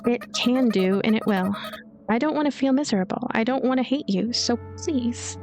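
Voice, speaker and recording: Woman as a blunt, lonely girl, slightly high. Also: moderate pace, a little mellow, faint music behind, lightly acted. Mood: miserable, firm. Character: gloomy, lonely, violent young ghost girl, blunt.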